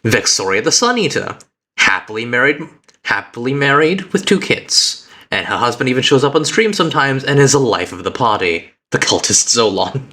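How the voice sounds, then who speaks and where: A man streaming as a VTuber gives his chat a heartfelt personal speech, earnest and reflective, with halting restarts and uneven pacing. His voice is medium-pitched, bright and forceful, with big swings in pitch.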